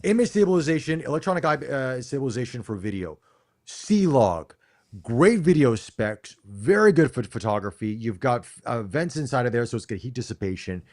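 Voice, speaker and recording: A man's voice: medium pitch, lively intonation, moderate pace, a little mellow. A middle-aged American man co-hosting a casual live-stream chat, talking emphatically and often restarting his phrases. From United States. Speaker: co-host.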